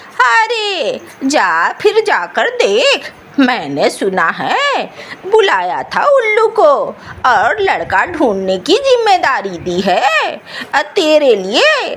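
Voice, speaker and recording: A cartoonish character voice, female-sounding and high in pitch for a woman, moves at a very slow pace. Clear background noise runs underneath. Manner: nosy, gossipy.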